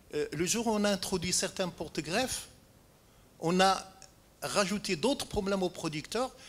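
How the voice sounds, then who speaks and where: Here a man speaks at a moderate pace with a high pitch and lively intonation. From Morocco. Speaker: horticulture professor. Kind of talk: audience question. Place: hall.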